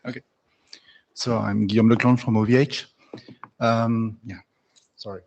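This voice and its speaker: A man with a French accent making a measured, reasoned comment from the floor at a conference. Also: lowish voice, flat delivery, vocal fry, darkish tone, lo-fi sound. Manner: measured, reasoned argument with brief apologies. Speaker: audience member commenting at the microphone. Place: conference hall.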